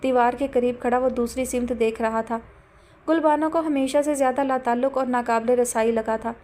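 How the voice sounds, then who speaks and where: A woman reads a serial novel aloud, her voice high and clear. Her narration is dramatic and storytelling in tone. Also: steady tone, mellow. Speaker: audiobook narrator. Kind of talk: scripted narration.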